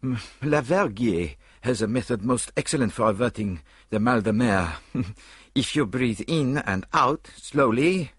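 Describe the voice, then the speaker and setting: A man voicing a fussy little Belgian detective with a put-on French accent, speaking in a high, theatrical way. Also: lively intonation, measured pace, slightly rough, dry recording, studio quality. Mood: queasy.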